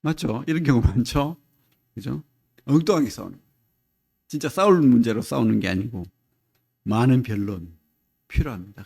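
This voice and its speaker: A middle-aged male pastor preaches a Sunday sermon in an easygoing, conversational way. His voice sits at a medium pitch and carries a gravelly, creaky edge. He keeps turning to his listeners with quick "right?" checks and acts out the people in his stories. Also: a little mellow. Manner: conversational preaching, constant "right?" tag questions to the congregation.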